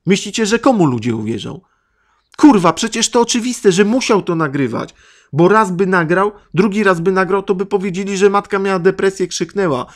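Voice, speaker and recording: Guy ranting on his podcast, kinda high voice, sarcastic, swears a lot, keeps asking the listeners questions. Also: lively intonation, brisk. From Poland. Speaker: podcast host. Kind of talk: ranting monologue.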